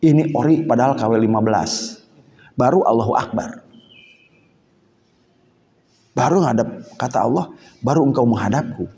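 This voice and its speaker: A man preaching a lively Islamic sermon, mixing languages and swinging between loud emphatic lines and low asides. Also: a little slow, gravelly, pauses often, in a large hall. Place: mosque hall.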